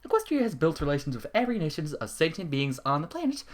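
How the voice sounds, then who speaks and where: A man's voice: fairly high pitch, very animated, fast talker. A man giving a dramatic, formal reading of a fan fiction letter as narrator, with the odd stumble.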